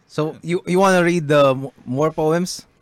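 A man's voice: fairly high pitch, a little slow, no room sound. A man with a Filipino accent hosting a podcast, chatting casually and giving brief listening responses. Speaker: podcast host. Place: podcast studio.

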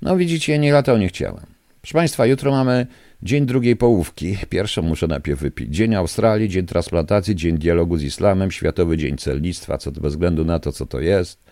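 This male radio host has a low, warm voice and talks briskly as he rants angrily and indignantly at listeners on a live studio broadcast. The studio microphone gives a dry recording.

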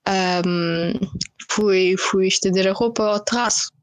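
A young woman speaks slowly at medium pitch, telling friends a story with a European Portuguese accent. Her manner is casual and animated, slang-heavy, with acted-out quotes, and the recording is dry.

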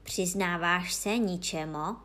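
A woman voicing a stout, strict male judge who thunders and shouts at the accused, in a children's story reading. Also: fairly low pitch. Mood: hřímavý, rozhněvaný. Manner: hřímá, křičí na obžalovaného. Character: tlustý přísný soudce, hřmotný muž.

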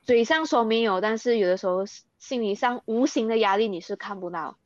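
A woman's voice: a little high, a little fast, no echo, lo-fi sound. A young Malaysian woman speaking Mandarin with a Malaysian accent, earnestly recounting things in an interview and mixing in English words. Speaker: interview guest, athlete. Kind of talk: candid interview.

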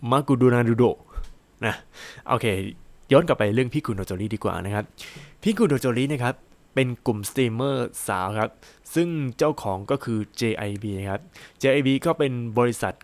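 A man's voice: mid-range voice, expressive, fairly quick, no room sound. A man hosting his own solo podcast, talking casually in a rambling, chatty way with lots of fillers and exclamations. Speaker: podcast host.

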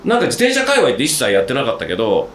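A man hosting a casual podcast chat, talking at length in a rambling, animated way about his work. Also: mid-range voice, rapid-fire, reverberant, slight background noise. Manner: talkative, rambling, animated storytelling. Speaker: podcast host, outdoor gear maker.

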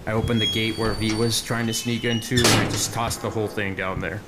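A man's voice: fairly low pitch, flat delivery, fairly quick. A man playing a fantasy role-playing game, describing his character's actions in the first person. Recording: clear background noise.

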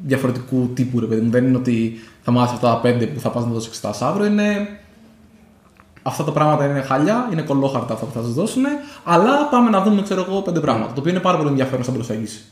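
A man's voice: medium pitch, lively intonation. Rambling Greek-speaking man in echoey room. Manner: rambling, many fillers and restarts. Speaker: podcast co-host. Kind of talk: casual chat. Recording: echoey room with faint noise.

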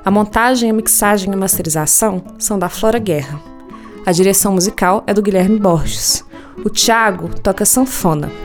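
A Brazilian woman reading scripted credits as the narrator of a radio serial. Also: medium pitch. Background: music with plucked guitar.

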